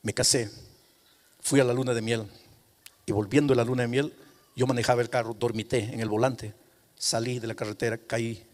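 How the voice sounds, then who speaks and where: A man's voice: mid-range voice, level tone, fairly quick, pauses often, pitched below the performer's own voice, close to an everyday voice. A man voicing a repentant middle-aged former drunk, earnestly pleading his confession to the pastor. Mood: quiet sorrow. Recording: long reverb of a large hall.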